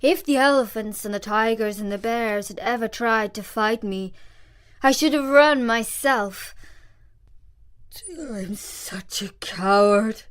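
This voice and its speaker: Storybook cowardly male lion, sorrowful and plaintive, put on by a woman reader, slow delivery. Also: on the high side, smooth, lightly acted. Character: big timid male lion, tearful and sorrowful.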